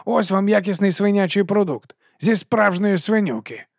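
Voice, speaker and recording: A man voicing a shifty street vendor who talks in a loud, wheedling sales patter. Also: high-pitched, normal speed, gravelly, no echo, clean studio sound, voice pushed up. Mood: hawking. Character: shifty pushy male street sausage vendor.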